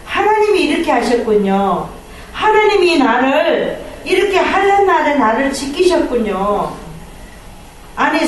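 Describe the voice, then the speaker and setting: High, lively woman pastor preaching. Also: slight background noise. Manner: animated, acts out quoted prayers and complaints. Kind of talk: sermon. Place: church sanctuary. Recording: echoey hall from far off.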